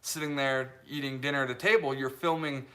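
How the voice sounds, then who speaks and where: A man's voice: medium pitch, steady tone, a little fast, a bit bright. A man in his late twenties from Utah, hosting a casual live stream and chatting loosely through viewer comments, with lots of fillers and restarts. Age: 20s. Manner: rambling, with many restarts and fillers, laughs easily.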